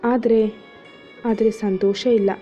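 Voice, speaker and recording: A woman's voice: on the high side, steady tone, takes it slowly, warm tone. A woman voicing a tipsy, lovesick young woman in an audio story, talking in a pleading, emotional way. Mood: tearful. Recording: dull lo-fi audio with faint music.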